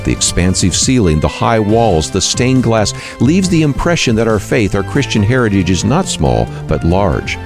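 Deep-voiced man narrating, lively intonation. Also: normal speed, hardly any pauses, music in the background. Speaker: radio program host. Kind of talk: scripted radio teaching narration.

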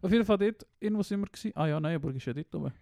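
A man's voice: sits high, lively intonation, rapid-fire, vocal fry, warm tone, no room sound, clean studio sound. A young man with a Swiss German accent, co-hosting a podcast in casual chat, rambling through his stories, often laughing and trailing off mid-sentence. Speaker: podcast co-host.

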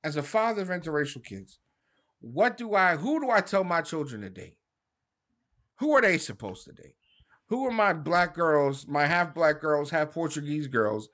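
A man's voice: on the high side, big pitch swings, normal speed, fairly bright tone. A man, a father, arguing his point in a casual podcast discussion through a string of emphatic rhetorical questions. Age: adult father.

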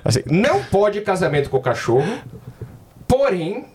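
A man's voice: high voice, sing-song, unhurried, heavy background noise. A man who works as a wedding celebrant, chatting casually on a podcast and telling stories with jokes and swearing. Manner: storytelling with joking asides and swearing. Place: in Australia.

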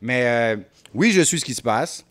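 A man's voice: medium pitch, normal speed. Haitian-accented rapper guy, big swings in his voice, tells stories, mixes in english bits. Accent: Haitian French mixed with Quebec French. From Montreal. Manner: animated storytelling, mixes English phrases. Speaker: rapper guest. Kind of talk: casual interview chat.

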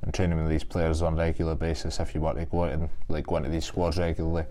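A man's voice: a bass voice, little pitch movement, rapid-fire, warm tone. A man hosting a casual sports interview, putting questions in an informal, matey way. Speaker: interviewer, host.

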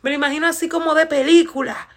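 A woman's voice: sits high, fast talker. A young woman with a Dominican accent, chatty and laughing, reading the Bible live over a phone stream. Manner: animated, laughing, chatty and expressive. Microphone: phone livestream.

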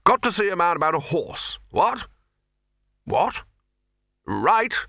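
A man's voice: high voice, big pitch swings, unhurried, creaky, sharp tone, no room sound, studio quality, pitched above the performer's own voice, heavily acted. A man voicing a blunt, blustering old male wizard chief who talks in brusque, clipped bursts.

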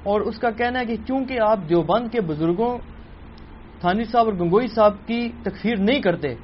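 A high-voiced man reads questions aloud to a scholar, plainly and without fuss. The sound is dull and lo-fi, with faint hiss behind him.

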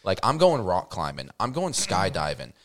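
Young guy rambling thru a story, low voice that swings all over, lots of likes and dudes. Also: moderate pace. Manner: animated storytelling with lots of fillers. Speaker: podcast co-host. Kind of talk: casual chat.

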